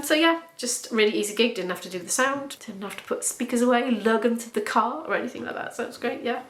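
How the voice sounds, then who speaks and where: A woman's voice: on the high side, fairly bright tone, echoey room, a little hiss or hum. A British woman vlogging casually to a handheld camera, chatty and rambling with cheerful asides. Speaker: vlogger and musician. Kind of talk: casual vlog chat. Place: venue cafe, then at home.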